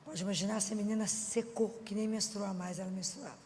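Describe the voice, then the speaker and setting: A woman with a Minas Gerais accent giving a lively Catholic preaching talk, chatty and folksy, often asking the audience questions. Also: medium pitch, fairly quick, a little hiss or hum. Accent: Minas Gerais Brazilian Portuguese. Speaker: Catholic lay speaker. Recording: long hall reverb.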